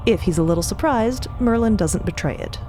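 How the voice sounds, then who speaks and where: A woman's voice: mid-range voice, expressive, fairly quick, mellow, soft background music. A woman delivering dramatic scripted narration for a fiction podcast.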